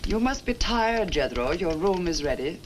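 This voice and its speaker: A woman's voice: lowish voice, big pitch swings. Sinister, formal woman innkeeper, swooping delivery. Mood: knowing, composed. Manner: formal, measured. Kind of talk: 1960s horror film acting. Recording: noisy old film soundtrack.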